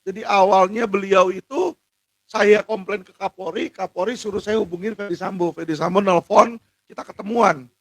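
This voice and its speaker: A man, a lawyer speaking out in an impassioned monologue, indignant and at times shouting. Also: sits high, normal speed, no echo. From Indonesia. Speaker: lawyer speaking out on legal injustice.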